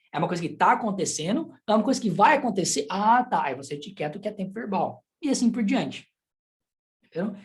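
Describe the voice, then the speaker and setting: In a live online class, a high-pitched man with a Brazilian Portuguese accent leads a sign language lesson. He keeps things conversational, frequently posing rhetorical questions to check on his students.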